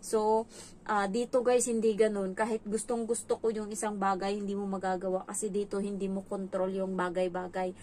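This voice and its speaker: Young filipina helper vlogging, just talking straight to the camera, bit of faint room noise. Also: female voice, mid-range voice, little pitch movement, moderate pace, a little mellow. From Philippines. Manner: candid, talks straight to viewers with frequent asides. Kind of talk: casual storytelling to viewers.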